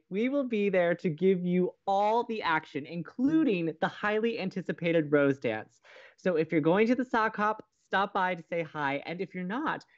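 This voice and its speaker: A man playing an excitable, sweet young college radio co-host in an audio drama, eager and playful. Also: high-pitched, lo-fi sound. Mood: upbeat announcing. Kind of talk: naturalistic audio drama acting.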